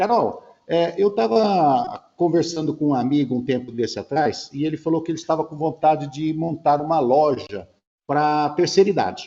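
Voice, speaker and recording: At a moderate pace, a man talks in an unremarkable speaking voice, fairly high in pitch with ordinary pitch variation. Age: 60s. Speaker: TV show host. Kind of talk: interview.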